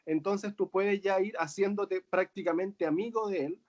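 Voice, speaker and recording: A man's voice: sits high, fairly even intonation, moderate pace, dull audio. A man, a coach and author, talking earnestly and reflectively in a conversation, often checking in with "¿verdad?". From Chile. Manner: earnest, tags phrases with "¿verdad?".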